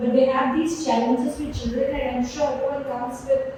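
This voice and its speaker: A loud, high-pitched woman's voice at a fairly quick pace, with audible room echo and noticeable background noise. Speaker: school research head, former teacher. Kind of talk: workshop address. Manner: animated. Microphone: holds mic far from mouth.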